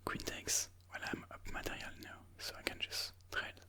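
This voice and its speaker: A person whispering ASMR game commentary in a breathy, mostly unvoiced voice, slowly and soothingly thinking aloud. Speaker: ASMR chess video host.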